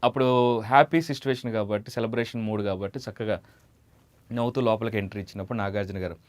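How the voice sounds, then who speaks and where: A man's voice: on the low side, steady tone, fast talker, no room sound. Man chatting in a dry-sounding interview. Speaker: mimicry artist and interview guest. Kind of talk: conversational anecdotes in an interview.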